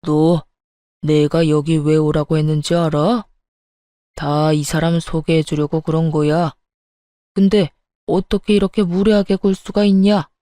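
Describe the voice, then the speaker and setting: A woman's voice: low-pitched, flat delivery, measured pace, warm tone, dry recording, studio quality, voice pushed down. A woman voicing a domineering older father-in-law in a radio story, stern and scolding. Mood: stern angry.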